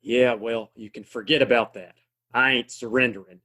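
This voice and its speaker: A man acting a gruff, stubborn saloon owner in a Western audio play, with a husky voice. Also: medium pitch, fairly even intonation, moderate pace, bright, forceful tone, lightly acted. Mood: defiant.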